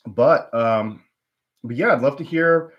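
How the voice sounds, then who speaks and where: A man's voice: medium pitch, slow pace, dull audio. A man hosting his own live stream, talking casually with lots of fillers and restarts while stuffed up with a cold. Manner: rambling, many fillers and restarts. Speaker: channel host.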